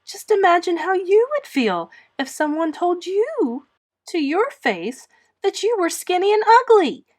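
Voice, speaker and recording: Here is an eleven-year-old orphan girl acted by a woman from a storybook. She speaks high and emphatically, with wounded pride. She pleads and defies with great melodrama. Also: big pitch swings, measured pace, a little mellow, exaggerated voice. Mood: tearful pleading.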